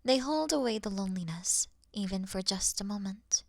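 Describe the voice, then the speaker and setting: A woman playing an earnest, awkward moth girl in a sleep-aid roleplay, soft and often whispering, with a gentle, slightly formal manner. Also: mid-range voice, lively intonation, moderate pace, no echo, studio quality. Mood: earnest, soothing.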